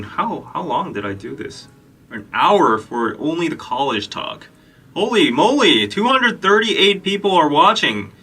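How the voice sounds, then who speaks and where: Hosting a podcast live-stream, a young man from South Korea chats and reads the news in a loose, casual way, often restarting and using fillers. His mid-range voice sounds pushed and bright, and the mic is some distance away.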